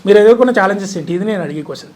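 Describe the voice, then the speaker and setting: High-voiced, quick male interviewer. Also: expressive, a little mellow. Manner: probing, persistent questioning. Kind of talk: casual interview questions. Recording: faint background noise.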